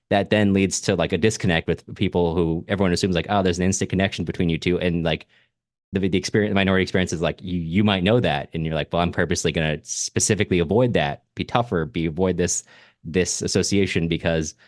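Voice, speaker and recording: A man's voice: sits low, quick pace, dry recording, clean studio sound. A man co-hosting a podcast, talking through a book in a casual, discursive and analytical way, often rephrasing himself mid-thought. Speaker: podcast co-host discussing a novel.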